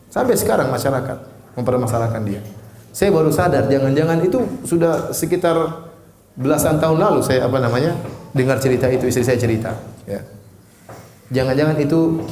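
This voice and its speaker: A man's voice: fairly high pitch, darkish tone, roomy sound. A middle-aged man with an Indonesian accent giving a study lecture as a preacher, often asking the audience questions and answering them himself, joking as he acts out angry prayers. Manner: jokes and laughs while acting out angry prayers.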